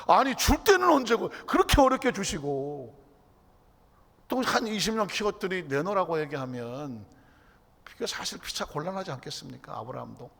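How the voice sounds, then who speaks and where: A middle-aged man preaching a Friday night sermon as pastor. He asks the congregation rhetorical questions and swings between loud, emphatic exclaiming and hushed near-whispers. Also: high voice, very animated, moderate pace, creaky. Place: large church sanctuary. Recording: church hall reverb.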